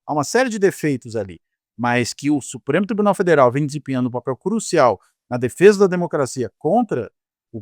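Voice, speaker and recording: A man with a Brazilian Portuguese accent giving measured, analytical political commentary, often tagging his points with quick questions. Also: mid-range voice, darkish tone, dry recording, clean studio sound. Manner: measured, lecturing, frequent tag questions. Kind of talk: analytical panel discussion.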